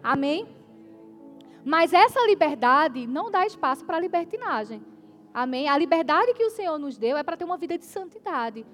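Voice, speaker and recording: Woman preacher, very high and animated voice; emphatic sermon with frequent "amen?" calls and slow, deliberate scripture reading. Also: soft background music. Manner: emphatic, punctuates points with "amen?" to the congregation; reads scripture aloud slowly and deliberately.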